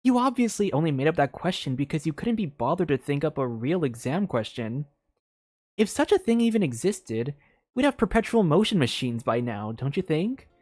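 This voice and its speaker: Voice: medium pitch, sing-song, normal speed, a little mellow, no echo, clean studio sound. A streamer voicing a skeptical, gossiping friend of a witch in a storybook read-aloud, chiding and questioning.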